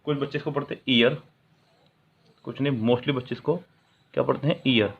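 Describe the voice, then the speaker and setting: A man's voice: mid-range voice, fairly even intonation, brisk, vocal fry, slight background noise. A man explaining English grammar in Hindi as a teacher, reading example sentences aloud and asking questions that he then answers himself. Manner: asks the viewer questions and answers them himself. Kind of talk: classroom-style video lesson. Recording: tinny, phone-like sound.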